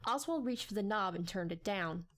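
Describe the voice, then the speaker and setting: A woman's voice: medium pitch, lively intonation, normal speed, fairly bright tone. A woman narrating a story as a scripted audiobook.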